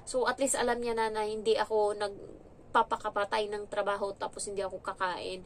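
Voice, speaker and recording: A woman's voice: mid-range voice, normal speed, a little hiss or hum. A young adult woman from the Philippines who works as a domestic helper, telling a frank, chatty story in a casual vlog. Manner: chatty, frank, animated when retelling.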